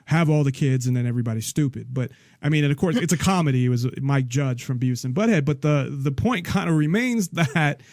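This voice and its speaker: A man's voice: on the high side, brisk, few pauses, a little mellow, dry recording, clean studio sound. A man hosting a casual interview, talking in a rambling way with frequent restarts and small laughs. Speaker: host.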